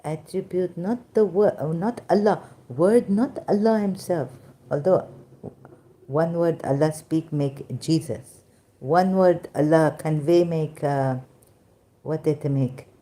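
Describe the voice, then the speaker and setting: Slow, halting woman with Pakistani accent. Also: low-pitched. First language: Sindhi. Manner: halting, broken English with many restarts; tired, winded and soft-spoken in later part. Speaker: religious commentator. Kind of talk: informal religious talk.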